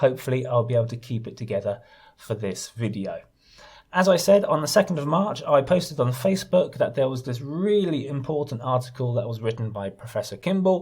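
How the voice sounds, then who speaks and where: This man's voice sits at a medium pitch and is somewhat breathy. He moves at a fairly quick pace with lively intonation. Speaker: legal English teacher. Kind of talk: video tutorial.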